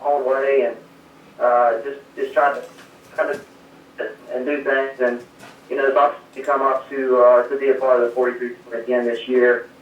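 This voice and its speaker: Phoning in from home, this South Carolina man, a race crew chief, gives modest answers to an interviewer over a connection that keeps breaking up and fading. He speaks at medium pitch and a moderate pace with little rise or fall, on a dull, distant, echoey call-in line.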